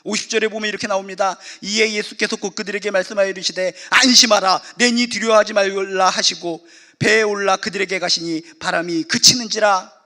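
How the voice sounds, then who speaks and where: A man's voice: sits high, fairly even intonation, a little fast, sharp tone. A male pastor preaching a sermon emphatically, repeating key phrases for effect.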